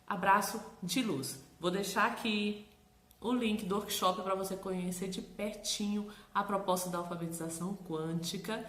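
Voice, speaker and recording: A woman's voice: medium pitch, normal speed, roomy sound. A woman with a Brazilian Portuguese accent, a literacy teacher giving encouraging, instructional advice to parents. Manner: animated, encouraging, checks in with "tá bom?".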